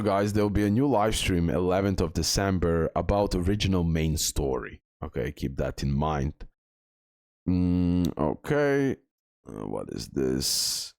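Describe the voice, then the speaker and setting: A man's voice: deep voice, lively intonation, measured pace, darkish tone, no echo, studio quality. A man giving casual commentary on game news and talking through images on screen, with frequent filler sounds. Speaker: gaming video creator.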